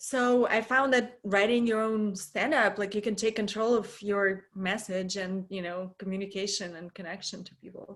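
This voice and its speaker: A woman with a Russian accent speaks at medium pitch, with hardly any pauses. Her intonation stays fairly even while her loudness swings widely. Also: moderate pace. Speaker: model, actress and comedian. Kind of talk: interview chat.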